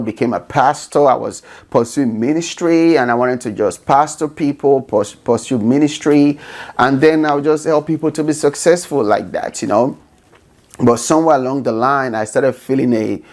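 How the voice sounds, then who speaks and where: A man's voice: mid-range voice, a little mellow. A man with a Nigerian accent hosting his own podcast, talking earnestly to listeners and often checking in with "okay?". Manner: earnest, repeats "okay?" and "you know" often. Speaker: podcast host. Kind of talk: casual monologue.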